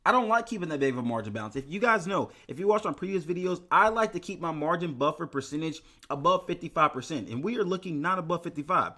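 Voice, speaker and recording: A man's voice: fairly high pitch, animated, quick pace, hardly any pauses, sharp tone. A young man chatting casually in an investing vlog, tired from little sleep and talking in a rambling way with many restarts. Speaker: finance YouTuber.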